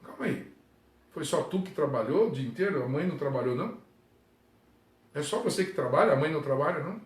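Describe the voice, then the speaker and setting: A Brazilian man, a pastor, talking casually on a livestream from home, with frequent tag questions and sudden jumps up in pitch for emphasis. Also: animated, fast talker, roomy sound. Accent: Brazilian Portuguese. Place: room at home.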